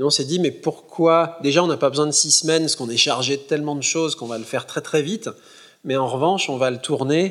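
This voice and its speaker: In a very clean recording with a silent background, a man with a normal speaking voice talks at a fairly quick pace, his fairly high pitch showing ordinary pitch variation. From France. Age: 40s. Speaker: dancer and choreographer, dance school dean. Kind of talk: public talk, conversation.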